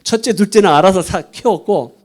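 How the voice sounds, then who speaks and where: A middle-aged man preaching a sermon, telling a family story with lively acted-out dialogue. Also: high-pitched, a little fast. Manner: storytelling with animated quoted dialogue. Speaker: pastor.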